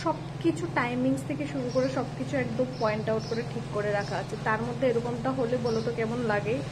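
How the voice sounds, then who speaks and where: A woman hosts a casual travel vlog, chatting familiarly with her viewers as she narrates. Her voice is on the high side with a steady tone and a slightly quick pace, and noticeable outdoor ambient noise surrounds her.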